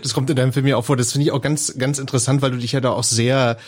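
A man's voice: medium pitch, fairly even intonation, racing. A man interviewing a filmmaker, asking probing questions and often rephrasing them.

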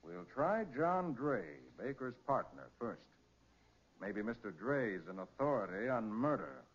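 An actor playing a brisk, authoritative master detective in a 1940s radio crime drama, speaking in a deliberate, clipped, commanding way. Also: male voice, fairly low pitch, very animated, heavy background noise. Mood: crisp, assured. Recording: muffled vintage 1940s radio recording.

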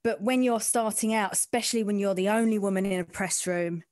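A woman with an East London, Essex-style accent speaks candidly in an interview. Her pitch is average and the sound is dry and close. She talks in an informal, frank, working-class way. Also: a little fast, darkish tone, no room sound. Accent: East London, Essex-like twang. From East End of London, England. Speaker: sports reporter interviewee.

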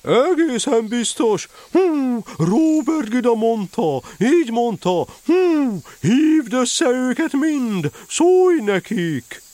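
A man's voice: extremely high pitch, sing-song, hardly any pauses, dark tone, no echo, voice pushed up. A man voicing a fussy, hooting owl in a children's audio drama. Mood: impatient. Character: fussy, impatient male owl with hooting calls.

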